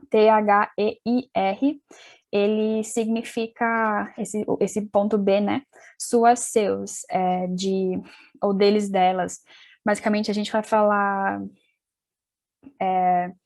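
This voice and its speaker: A woman's voice: mid-range voice, darkish tone. A young woman teaching an English class, talking casually, restarting sentences and spelling words out letter by letter, with a London accent when she speaks English. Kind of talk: casual online class explanation.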